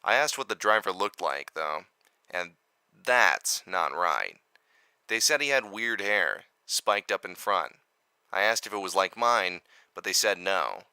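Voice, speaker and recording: An earnest security aide in an audio drama, acted by a man. His deep voice is very bright and crisp, recorded close and dry. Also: lively intonation, unhurried, dry recording, full character voice. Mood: concerned. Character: earnest male security aide reporting back.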